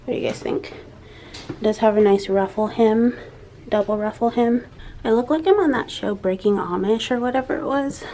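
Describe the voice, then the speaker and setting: This vlogger speaks at normal speed in a warm voice on the high side. Her informal chat to camera is full of "like," and background noise comes through clearly.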